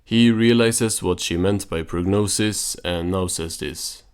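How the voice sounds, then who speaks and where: Male recap narrator, low register, casual and understated, dry commentary delivery. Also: a little slow, over music. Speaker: video reviewer and narrator.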